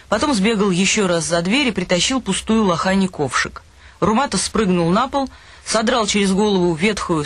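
A man narrating a literary radio play in a measured, expressive way. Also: high voice, slight background noise. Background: music.

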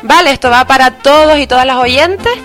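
Woman co-host, slightly high voice, recaps each answer, music beneath. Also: fairly quick, a bit bright. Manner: sums up answers, many "vale"s. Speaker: radio co-host. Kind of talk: local radio chat.

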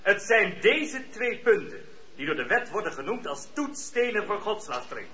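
An actor playing a firm, impartial presiding judge in a radio drama, speaking in formal, measured official phrases. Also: male voice, high-pitched, sing-song, bright, forceful tone, full character voice. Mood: formal ruling. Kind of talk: Dutch radio play acting. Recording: roomy, dull radio play recording.

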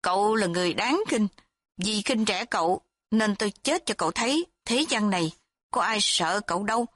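A condemned young woman speaks with open scorn and no fear, as a woman narrator puts her on. The voice sits at an ordinary middle pitch. The recording is close and dry. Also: expressive, normal speed, fairly bright tone, dry recording. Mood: defiant. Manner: scornful, defiant. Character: defiant young woman facing execution.

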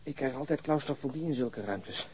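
An actor playing a low-key, wary detective in a radio drama, speaking in a subdued, matter-of-fact mutter. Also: male voice, normal speed, a little mellow, slight background noise, close to an everyday voice. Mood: uneasy, reluctant. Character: low-key, wary male police detective searching a flat.

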